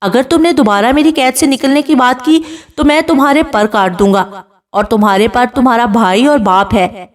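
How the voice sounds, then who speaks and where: A woman's voice: on the high side, far from the mic, natural voice. A woman reading as a cruel, domineering husband. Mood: coldly menacing. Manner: commanding, threatening. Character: domineering, cruel young husband, quick to rage.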